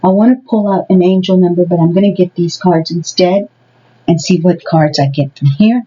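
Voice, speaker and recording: A woman's voice: lowish voice, normal speed, warm tone, highs cut off, a little hiss or hum. A woman giving a casual tarot reading to her viewers. She talks in a rambling way and fills her sentences with many "you know"s. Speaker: tarot reader.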